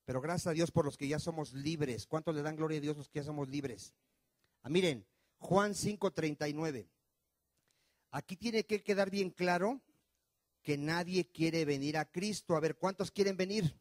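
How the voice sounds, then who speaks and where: A man preaching a sermon as pastor, firing questions at the congregation and swinging between loud and soft. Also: on the high side, moderate pace, dry recording. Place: church.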